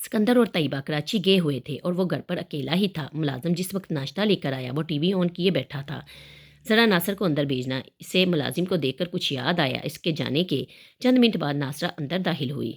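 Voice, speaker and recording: A woman reads a romance novel aloud in a low, husky voice. Her narration is steady and even. She keeps a calm storytelling pace.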